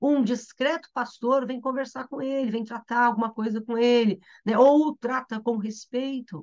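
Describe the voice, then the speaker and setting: This woman talks at a moderate pace in a high-pitched, animated tone. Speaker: literature teacher. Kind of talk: lecture with reading aloud.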